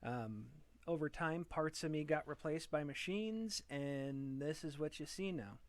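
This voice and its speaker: A man's voice: fairly high pitch, measured pace, no echo. A man chatting casually on a live stream, thinking aloud and chuckling as he tinkers with his setup at home. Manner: relaxed, chuckling, thinks aloud while fiddling with software. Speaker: vTuber streamer. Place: home room.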